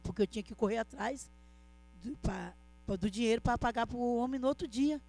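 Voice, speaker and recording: A woman's voice: a little high, a little fast, darkish tone. A middle-aged woman telling her story in an emotional church testimony, earnestly addressing her listeners as brothers. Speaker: church speaker giving a testimony.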